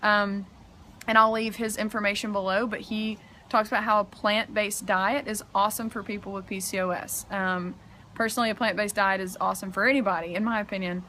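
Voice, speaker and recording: A woman's voice: mid-range voice, level tone, fairly quick, pushed and bright, slight background noise. Chatty young woman vlogging outdoors. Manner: chatty, frequent "like" and "um". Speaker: vlogger and health coach. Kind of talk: casual advice vlog. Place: outdoors in strong sun.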